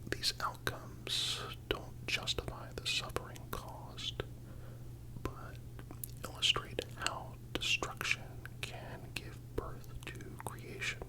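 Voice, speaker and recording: Slow, soothing ASMR whisperer. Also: low-quality recording. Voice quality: soft, breathy unvoiced whisper. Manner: soothing, measured, contemplative. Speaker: ASMR narrator. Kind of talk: whispered ASMR scripted philosophical narration.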